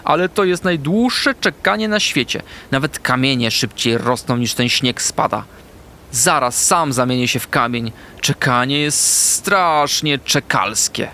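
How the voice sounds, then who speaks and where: A man's voice: fairly high pitch, animated, a little slow, fairly bright tone, slight background noise. A man voicing a small, impatient and dramatic male hamster who whines and complains in a storybook reading. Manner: whiny, exaggerated complaining.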